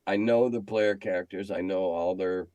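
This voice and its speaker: A man's voice: deep voice, steady tone, normal speed, dark tone, dry recording. An older man telling stories casually in an interview as a veteran game master, talkative and salty with dry humor.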